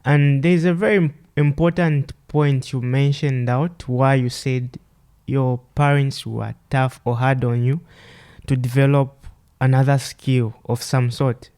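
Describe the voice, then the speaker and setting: Interview host, medium pitch, casual chatty questions, lots of admiring little reactions. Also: steady tone, a little slow, warm tone.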